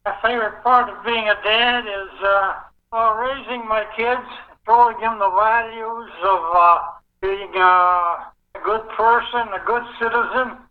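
A man's voice: sits high, fairly even intonation, unhurried. A man in his eighties on a phone interview, speaking short, hesitant answers into a speakerphone held away from his mouth. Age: 80s. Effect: speakerphone held away from the mouth, faint and distant. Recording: muffled speakerphone line.

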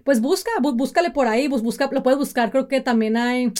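A woman's voice: sits high, a little fast, darkish tone. A woman, co-hosting a casual chat about parenting and acting out quoted parents in a mocking voice. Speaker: podcast co-host.

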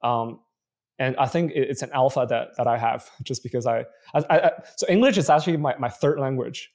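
A man's voice: mid-range voice, a little fast, a little mellow. A man from Canada whose first language is Chinese, answering interview questions thoughtfully as a venture investor guest. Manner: thoughtful, frequent fillers and restarts.

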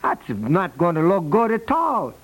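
A man's voice: sits high, wildly swooping pitch, unhurried, slightly rough, full character voice. A man playing a stubborn, unimpressed house painter in a 1950s radio comedy, blunt and repetitive. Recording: vintage 1950s radio recording.

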